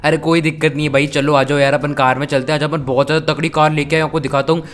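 A man's voice: a little high, flat delivery, fast, a bit bright. A young man hosting a comic gameplay role-play, scolding his sidekicks in exasperated banter. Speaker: gaming YouTuber host.

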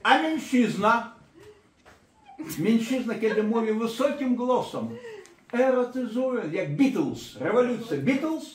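A man's voice: very high voice, expressive, slow pace, slight background noise. A man working as a therapist and court expert, giving a lecture-style talk in an emphatic, digressive way. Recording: echoey room.

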